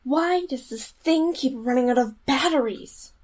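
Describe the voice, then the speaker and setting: Actress doing flippant young woman, highish voice, stubborn, casual audio drama delivery. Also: a little slow, a little mellow. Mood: complaining.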